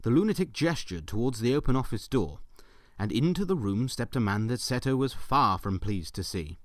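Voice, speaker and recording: A man's voice: mid-range voice, animated, moderate pace, no room sound, natural voice. A man playing a genial fireside storyteller, narrating an audio drama in a wry, theatrical way.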